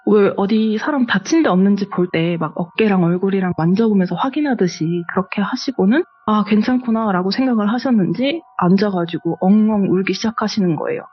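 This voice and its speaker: A woman's voice: medium pitch, a little fast, few pauses, breathy edge, lo-fi sound, faint music behind. A woman, the guest on a horror radio show, recounts a true ghost story in a conversational, matter-of-fact way.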